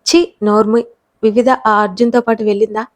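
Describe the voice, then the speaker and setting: A woman's voice: fairly high pitch, fairly even intonation, fairly quick, dry recording, natural voice. A woman voicing a fiery young woman who snaps and scolds sharply. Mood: angry.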